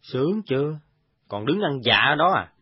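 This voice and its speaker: Woman doing a gruff grumbling male soldier. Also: rumbling low, very animated, a little slow, dry recording, pitched below the performer's own voice, heavily acted. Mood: gruff scolding. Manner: scolding, rough-tongued muttering. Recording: dull lo-fi audiobook recording.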